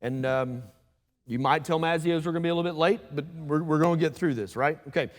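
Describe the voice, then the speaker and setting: Fast-talking pastor. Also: male voice, on the high side. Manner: fast-talking, conversational preacher with asides. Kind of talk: sermon. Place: church sanctuary. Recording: long church hall reverb.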